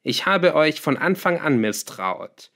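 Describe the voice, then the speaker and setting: A man voicing a sharp, defiant young male apprentice in an audiobook, asking pointed questions. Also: on the high side, big pitch swings, takes it slowly, voice pushed up, heavily acted. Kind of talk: audiobook character voice.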